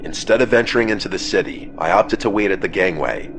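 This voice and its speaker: A man reading a first-person horror story as scripted narration, in a measured, somber way that slows and drops low at the ends of phrases. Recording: steady ambient noise bed under the voice.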